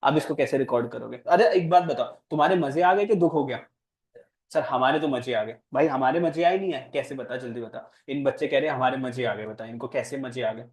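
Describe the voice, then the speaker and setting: A man's voice: medium pitch, fairly quick. A man teaching commerce in a classroom, playful and teasing, quizzing his students with speech. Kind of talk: classroom lecture.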